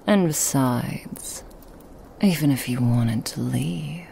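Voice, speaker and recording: A woman voicing a seductive, possessive female Krampus demon in a whispered ASMR roleplay, teasing and mocking in an intimate hush. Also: very deep voice, takes it slowly, creaky, a little hiss or hum, exaggerated voice. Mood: menacing.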